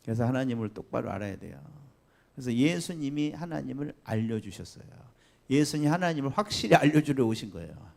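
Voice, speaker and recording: A man preaching a Sunday sermon as pastor, chatty and lively, asking the congregation questions and laughing along. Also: medium pitch, brisk, gravelly. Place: church sanctuary.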